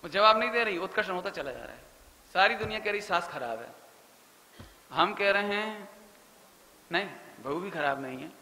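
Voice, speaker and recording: A man's voice: high voice, expressive, moderate pace, long pauses. A man giving a sermon, telling family anecdotes and voicing the people in them. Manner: storytelling, softly voicing family members in quoted lines. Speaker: Jain preacher. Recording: echoey hall with long reverb, faint ambience.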